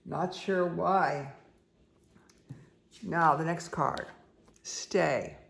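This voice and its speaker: Middle-aged lady reading cards, croaky hoarse voice, real gravelly fry, slow and soothing. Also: sits low. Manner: slow, soothing, repetitive guidance with asides. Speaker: spiritual reader and meditation guide. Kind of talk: casual spoken card reading.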